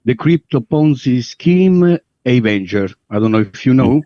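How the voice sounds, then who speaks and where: A man from Italy with an Italian accent, asking questions on a video call in halting English full of fillers. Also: medium pitch, expressive, mellow, no echo. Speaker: call participant. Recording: dry, muffled online call audio.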